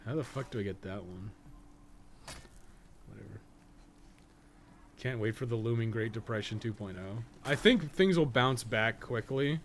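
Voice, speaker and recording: A Canadian-accented man in his thirties with a mid-pitched voice hosts a gaming stream. He rambles casually and colloquially, swearing freely as he goes. There is noticeable background noise in the recording. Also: expressive, measured pace, pauses often. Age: 30s. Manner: profane, colloquial. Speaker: gaming livestream host. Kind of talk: casual rambling stream chat while playing.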